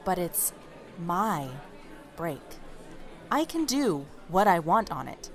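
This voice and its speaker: A defiant young waitress who is fed up with her diner job. Her delivery is naturalistic audio drama with very lively, swinging pitch, over faint music. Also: slow, exaggerated voice. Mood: indignant. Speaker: podcast drama actress.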